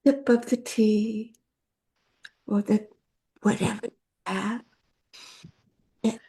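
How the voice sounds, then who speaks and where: A woman on a video call calmly leading a group through a gentle sipping exercise. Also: a little high, poor audio. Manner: calm, soothing, slow instructions. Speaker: workshop facilitator.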